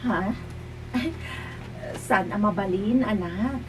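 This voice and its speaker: A woman's voice: medium pitch, slow, natural voice. A woman playing a firm, insistent mother. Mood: gentle. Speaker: mother in an audio drama. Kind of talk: amateur drama acting. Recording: distant mic with loud hum.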